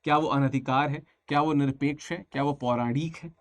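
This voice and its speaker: A man's voice: on the high side, steady tone, a little fast, no room sound. A man teaching an online exam-prep language class, talking casually and repeating each answer several times.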